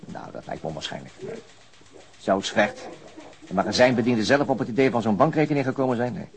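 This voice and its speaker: A man's voice: mid-range voice, lively intonation, a little fast, vocal fry. An actor playing a dry, pensive male police detective in a radio play, speaking in a matter-of-fact, musing way. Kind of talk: naturalistic radio play dialogue.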